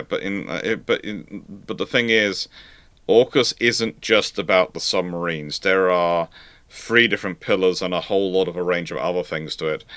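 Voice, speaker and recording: A man giving informal expert commentary as he answers questions on a live show, emphatic and correcting, often halting and repeating words. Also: deep voice, pushed and bright, no room sound. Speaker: host of a naval history live Q&A.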